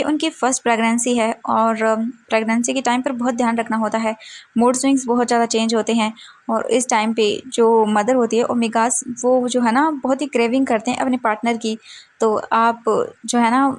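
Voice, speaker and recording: A woman's voice: fairly high pitch, steady tone, moderate pace, lightly acted. Woman doing polite, reassuring lady doctor. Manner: polite, explaining gently.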